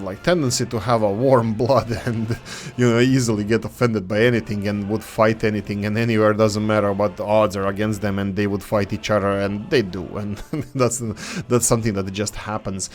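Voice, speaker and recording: A man's voice: fairly low pitch, fairly even intonation, normal speed. A young adult man from Croatia with a Croatian accent, rambling with many fillers and restarts as he talks over a game he is playing. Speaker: gaming channel host. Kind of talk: casual commentary over a game.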